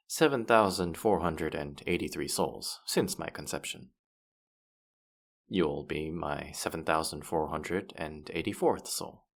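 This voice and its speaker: A man's voice: low-pitched, vocal fry, exaggerated voice. A man playing a boastful, teasing demon who guides souls through the afterlife, playful and smug in a fantasy audio roleplay. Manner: playful, smug, mock-offended, hesitating mid-thought. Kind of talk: scripted character audio roleplay addressed to the listener.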